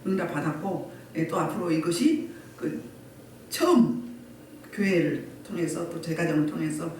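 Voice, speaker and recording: In a church sanctuary, a woman pastor preaches a Sunday sermon, pressing her congregation with one rhetorical question after another. Her voice is low-pitched and darkish, with lively intonation at a normal speed. The recording is echoey and distant, with slight background noise.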